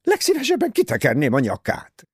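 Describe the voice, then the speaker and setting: A man's voice: on the high side, husky, no echo, studio quality, voice pushed up, heavily acted. Simon Doyle, a man voicing a nervous young husband. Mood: agitated. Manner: excited, pleading outbursts.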